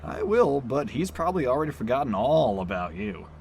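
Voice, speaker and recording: A man's voice: medium pitch, very animated, fairly quick, vocal fry, darkish tone, slight background noise. A man playing a brash, teasing train conductor in an audio drama, with a breezy, blunt manner.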